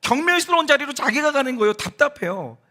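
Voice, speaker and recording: A man's voice: very high voice, fast. A male pastor giving a sermon in a conversational, storytelling way, speaking straight to the congregation and acting out the people in his stories. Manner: animated storytelling, acts out quoted voices; conversational, addresses congregation directly. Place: church sanctuary.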